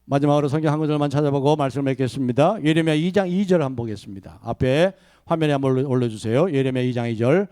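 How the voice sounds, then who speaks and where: Animated Korean pastor preaching a sermon. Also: male voice, mid-range voice, very fast, no echo. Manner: animated preaching, repeats key phrases, asks the congregation questions; leads congregational Bible reading. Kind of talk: Sunday sermon. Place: church sanctuary.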